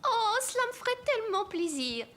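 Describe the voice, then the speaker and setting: An actress playing a friendly, doting old lady in a children's cartoon, sweet, coaxing and expressive. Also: very high-pitched, normal speed, exaggerated voice. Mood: delighted. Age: older.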